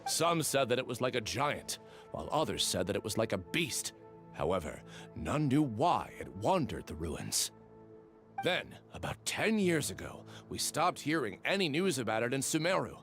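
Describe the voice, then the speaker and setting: A man's voice: medium pitch, very animated, moderate pace, a bit bright, faint music behind. A man voicing a gossipy older villager in a video game, telling things with dramatic flair. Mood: storytelling. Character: gossipy older villager spinning an old legend. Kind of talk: English video game voice acting.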